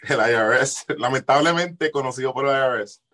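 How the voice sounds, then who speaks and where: A man's voice: mid-range voice, a little fast, sharp tone. Informal, slangy Puerto Rican man. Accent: Puerto Rican Spanish. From Puerto Rico. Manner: jokey, slangy, mixing in English words. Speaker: musician guest. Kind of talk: casual chat.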